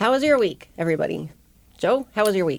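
In a very clean recording with a silent background, a woman with an American accent speaks at a fairly quick pace. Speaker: radio host. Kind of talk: radio talk show hosting and interview. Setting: studio.

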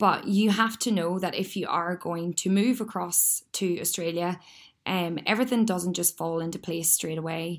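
Over a silent background in a very clean recording, a woman with a Northern Irish accent speaks at a moderate pace with a fairly low pitch and fairly even intonation. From Northern Ireland. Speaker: podcaster and expat teacher. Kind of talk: casual storytelling monologue. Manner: nervous, chatty.

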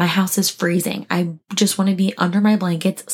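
At a moderate pace, a woman of medium pitch talks in a plain, everyday voice. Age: 30s. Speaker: podcast host and life coach. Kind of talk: casual solo podcast talk.

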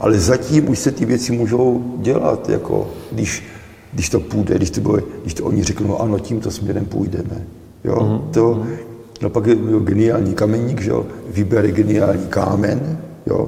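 A man with a fairly low voice talks at a moderate pace and ordinary pitch variation. Audible room echo and noticeable background noise surround him. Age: old. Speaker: sculptor. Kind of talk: interview. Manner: halting.

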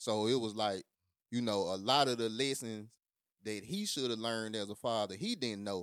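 Recorded very cleanly against a silent background, a man with an ordinary speaking voice talks at a moderate pace, medium in pitch with ordinary variation. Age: 30s. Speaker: podcast co-host. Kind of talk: casual chat. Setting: studio.

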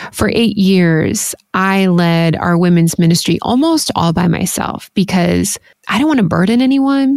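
Speaking at a fairly slow pace with very even loudness, a woman uses a normal speaking voice at medium pitch. Her intonation is lively. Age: 40s. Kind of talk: faith-based solo podcast talk.

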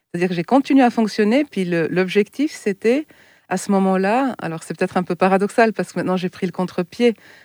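A woman talks at a fairly quick pace in a medium pitch with ordinary variation. The recording is very clean, with a silent background. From Switzerland, Bern (French-speaking). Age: 40s. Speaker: visually impaired athlete. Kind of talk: personal testimony interview. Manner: hesitant, with repetitions.

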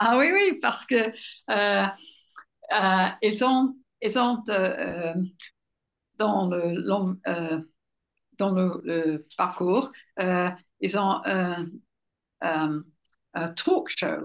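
A woman at a very slow pace, ordinary in pitch variation, with long, frequent pauses. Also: medium pitch for a woman. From England. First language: English (speaking French). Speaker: equestrian judge and riding instructor. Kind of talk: casual interview. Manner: halting.

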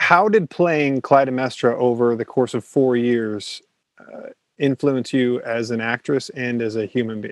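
A man with a plain, everyday voice talks at a fairly slow pace at medium pitch with ordinary pitch variation. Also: dry, close sound with no echo. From Central California. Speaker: theater actor and podcast host. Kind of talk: interview conversation.

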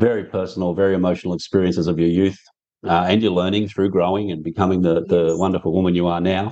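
Here a man talks at a fairly quick pace with an Australian accent, his pitch very deep and low. His tone is dark and mellow, and his intonation monotone and flat. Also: quiet background. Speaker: podcast host. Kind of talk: interview.

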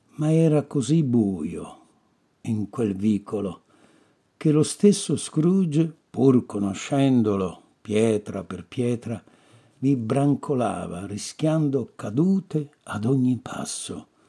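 On a very clean recording with a silent background, a man with a medium-pitched, dark, mellow voice speaks at a very slow pace with very wide pitch swings. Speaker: actor reading aloud to listeners. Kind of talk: literary audiobook reading of a Christmas story, with a storyteller's voice. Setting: home recording. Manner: expressive, playful storyteller with sly asides.

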